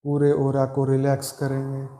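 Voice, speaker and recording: A man speaking as a meditation guide, calm and soothing, giving slow, repetitive instructions with long pauses in Hindi. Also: medium pitch. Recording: roomy echo with background music. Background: meditation music.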